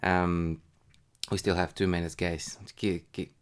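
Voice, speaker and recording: A man hosting a casual live stream as a retail investor, thinking aloud in a halting, hesitant way. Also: low voice, level tone, smooth. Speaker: livestream host, retail investor.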